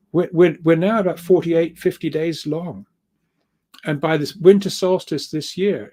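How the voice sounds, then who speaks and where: Man explaining earnestly with halting repetitions. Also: fairly high pitch, darkish tone. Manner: halting, repeats words and restarts often. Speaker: guest speaker and researcher. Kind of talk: interview answer, explaining at length.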